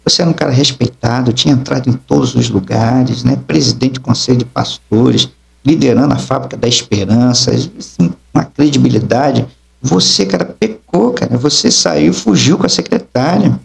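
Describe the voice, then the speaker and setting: Acting out the dialogue, a middle-aged preacher and apostle gives his testimony emphatically during an interview. His medium-pitched voice is creaky and moves at a moderate pace.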